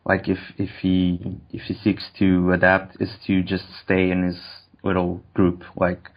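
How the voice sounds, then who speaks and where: A man's voice: low voice, completely flat delivery, measured pace, dull audio. A man in casual conversation as a guest, speaking hesitantly and searching for his words. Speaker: interview guest.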